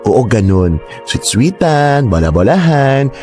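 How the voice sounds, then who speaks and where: A man's voice: medium pitch, very animated, slow pace, mellow, faint music behind. A man playing a flamboyant, scheming young gay man who is boastful and playful, with a campy, teasing, theatrical delivery. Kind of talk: radio drama acting.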